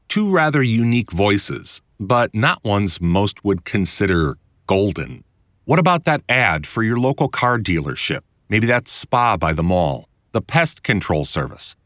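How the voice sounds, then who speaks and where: A man reading his own instructional audiobook in a conversational, clearly enunciated way, like a voiceover producer explaining the trade. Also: fairly low pitch, a bit bright, no echo, clean studio sound. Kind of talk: scripted instructional narration.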